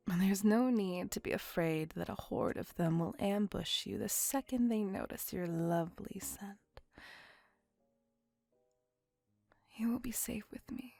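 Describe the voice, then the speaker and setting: A woman voicing a possessive, doting, centuries-old female vampire in an ASMR roleplay, whispering softly with formal, old-fashioned phrasing. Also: medium pitch, vocal fry, husky, no echo. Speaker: voice actor.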